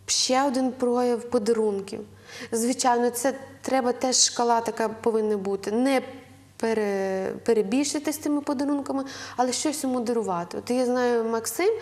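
A young woman with a western Ukrainian accent speaks as a studio guest, explaining parenting points in an earnest, instructive way. She often pauses on fillers as she gathers her thoughts, and her voice sits a touch high. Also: darkish tone. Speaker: guest on a Christian TV program. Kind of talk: advice talk on parenting.

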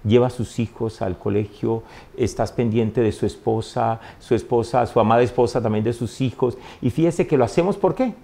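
A man, a priest, telling stories in a warm way and often laughing during an interview. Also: medium pitch, normal speed, creaky. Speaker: priest, guest. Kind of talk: interview anecdotes. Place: TV studio.

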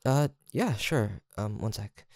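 Low-voiced, easygoing young male roommate played by an actor. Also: animated, slow, gravelly, darkish tone, no echo, heavily acted. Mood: gentle, shyly caring. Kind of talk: intimate roleplay audio drama, casual chat.

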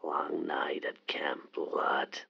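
A sinister masked phone killer, extremely low gravelly whisper, taunting. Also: male voice, flat delivery, very slow, muffled recording, exaggerated voice. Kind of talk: audio play acting.

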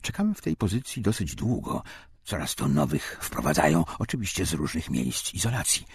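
A man reading a wartime memoir as an audiobook narrator, in a husky, gravelly voice. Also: low voice, sing-song, brisk, slight background noise.

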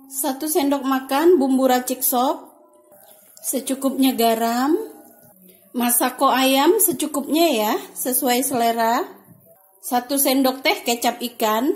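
Slow, high-voiced woman cooking host. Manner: chatty, step-by-step, adds soft "ya" and "nah". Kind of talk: casual cooking tutorial voice-over.

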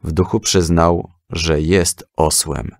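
A man narrating a scripted children's story as an expressive storyteller. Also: deep voice, takes it slowly, no room sound, clean studio sound.

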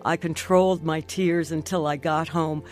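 An actress playing an earnest, emotional middle-aged Christian wife in a radio drama. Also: female voice, low voice, fairly even intonation, normal speed, a little mellow, faint music behind, lightly acted. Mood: earnest, reflective. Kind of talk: radio drama narration and dialogue.

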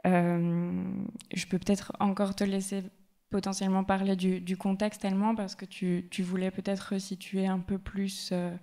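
A woman's voice: mid-range voice, level tone, normal speed, warm tone. A woman moderating a panel discussion, hesitant, with many filler sounds. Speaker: round-table moderator. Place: public library event room.

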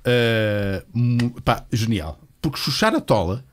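A man's voice: medium pitch, slow. A man in his forties hosting a podcast, chatting in a chummy, slangy way in a studio on a headset mic. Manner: chummy, slangy, calls the guest "mano". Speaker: podcast host. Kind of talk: casual podcast conversation. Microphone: studio mic with headphones.

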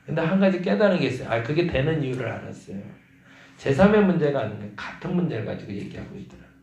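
Animated male pastor in an echoing church. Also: fairly high pitch, fast talker, dull audio. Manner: conversational storytelling, acting out quoted voices. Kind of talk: dawn prayer sermon. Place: church sanctuary. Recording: roomy church echo.

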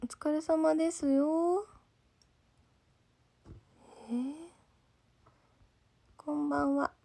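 Speaking extremely slowly with fairly even intonation, a young idol trainee from Gifu, Japan, chats with fans on a livestream and reads their comments. Her slightly high voice is creaky but warm-toned, in mostly standard Japanese with a light Gifu dialect. Chatty and rambling, she loses her thread and fills gaps with "nanka."

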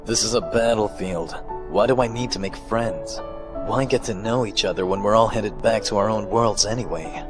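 A man's voice: lowish voice, moderate pace, music in the background, lightly acted. A man playing a terse, aloof young male mercenary in a fan dub, dry and muttering. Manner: curt, dry, muttering asides. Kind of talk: fan dub of a game scene.

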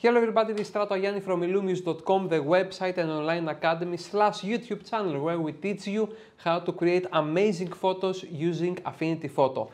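A man's voice: high voice, fast, few pauses. A man in his thirties with a Greek accent, chatting his way step by step through a photo editing tutorial from a home studio. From Greece. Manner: lively, chatty, explains step by step with filler uhs. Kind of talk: screen-recorded software tutorial. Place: dim home studio, indoors.

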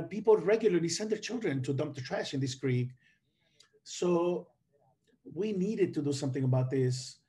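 A middle-aged man from the Dominican Republic presents to an online conference over a video call. His voice sits a little high for a man but sounds mellow and warm, and he speaks haltingly, full of fillers and restarts. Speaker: conference panelist.

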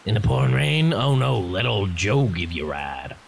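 A man playing a creepy, overly friendly older loner in a video game, with a slow, ingratiating drawl. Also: on the low side, very animated, vocal fry, a little hiss or hum, pitched below the performer's own voice. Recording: game audio music behind.

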